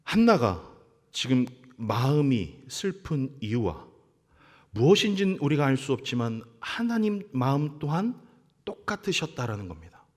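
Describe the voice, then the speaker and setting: Animated male pastor preaching in a reverberant church. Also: mid-range voice, moderate pace. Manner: animated preaching with acted-out quotes. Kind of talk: sermon. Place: church sanctuary.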